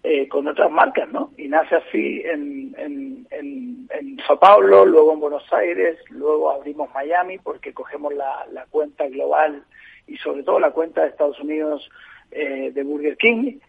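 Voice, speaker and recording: Gravelly man on a phone line. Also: a little high, expressive, a little slow. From Chile. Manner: thoughtful, many hesitations and restarts. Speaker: agency partner, guest. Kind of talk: conversational podcast interview. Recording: tinny phone-line sound.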